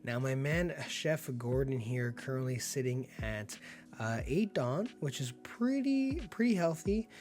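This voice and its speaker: A man getting over being sick, with a slightly hoarse voice, giving upbeat, laid-back play-by-play commentary on a card game and laughing often. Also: mid-range voice, lively intonation, a little slow, a little mellow.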